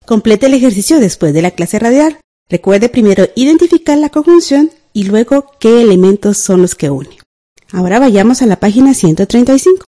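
A woman teaching a grammar lesson for radio class, calmly guiding listeners through each exercise. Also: fairly high pitch, a little fast. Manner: calm, guides exercises step by step with "ajá".

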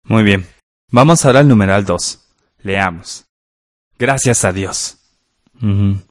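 A man co-teaching a scripted radio grammar class. He is calm and encouraging and asks confirming questions. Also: fairly low pitch, slow pace, no echo, clean studio sound.

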